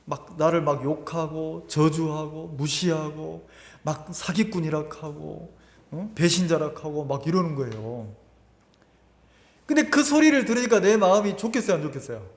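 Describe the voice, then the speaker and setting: A pastor giving a Sunday sermon in a lively, conversational way, asking the congregation rhetorical questions and repeating his words often. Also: fairly high pitch, moderate pace. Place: church sanctuary. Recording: echoey church hall with long reverb.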